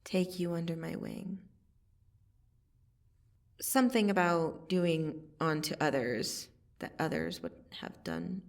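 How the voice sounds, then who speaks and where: A woman acts out a female vampire assassin for an ASMR roleplay. Her voice is on the low side and full of gravelly creak, with breathy dips toward a whisper. She speaks very slowly and deliberately, menacing yet intimate, with a wistful softness underneath. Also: recorded from a distance, full character voice. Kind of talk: ASMR roleplay, scripted dramatic monologue.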